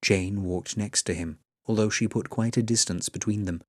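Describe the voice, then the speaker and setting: A man narrates literary fiction in a fairly low voice, captured dry and close. His delivery is measured and dramatic, like a seasoned audiobook storyteller. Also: fairly even intonation, darkish tone, no room sound. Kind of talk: scripted literary narration, voice reel.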